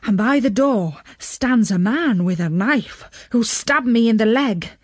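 A woman's voice: fairly high pitch, expressive, takes it slowly, husky, no room sound, clean studio sound, exaggerated voice. A woman voicing a frightened male robber in a storybook, exclaiming in agitation. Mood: terrified, dramatic. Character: frightened male robber breathlessly reporting horrors to captain. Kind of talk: storybook character voice.

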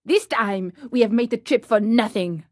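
A woman's voice: a little high, moderate pace, a little mellow, no room sound, studio quality, lightly acted. A woman voicing a solemn, ominous black rabbit in a storybook, speaking with matter-of-fact menace. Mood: disgruntled. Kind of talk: storybook character reading.

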